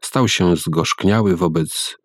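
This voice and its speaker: A man narrating a story aloud in a measured, calm reading voice. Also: low voice, no room sound, studio quality.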